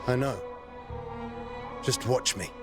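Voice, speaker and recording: A man's voice: medium pitch, slow, lightly acted. A man playing a cocky, driven young warrior hero in a video game, with a brash, self-assured manner. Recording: music behind the voice.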